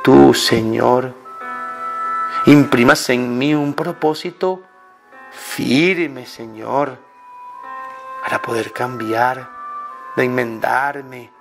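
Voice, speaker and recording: A man prays aloud in a slow, measured way, with long pauses between pleading phrases. His voice sits at an ordinary pitch and sounds fervent and devout. Clear music plays underneath him throughout. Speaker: prayer leader. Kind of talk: slow devotional spoken prayer.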